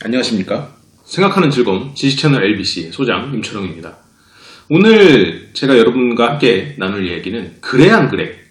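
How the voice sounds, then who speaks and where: A man's voice: medium pitch, fairly quick. A man who runs a psychology talk channel, explaining a point and acting out short quoted lines as he goes. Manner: lively, acts out quoted speakers. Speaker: psychology channel director and lecturer. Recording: roomy echo.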